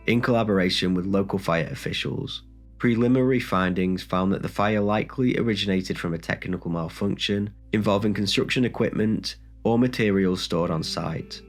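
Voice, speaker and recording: A man with a bad cold, reading a scripted documentary narration in a measured, even way as the channel's host. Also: sits low.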